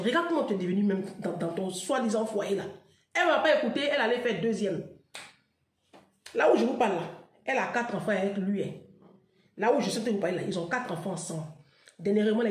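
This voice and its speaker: A woman with an Ivorian French accent telling a story in an animated monologue, emphatic and chatty, laughing often and peppering her talk with "là" and "hein". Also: medium pitch, quick pace, pauses often, roomy sound. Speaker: online commentator.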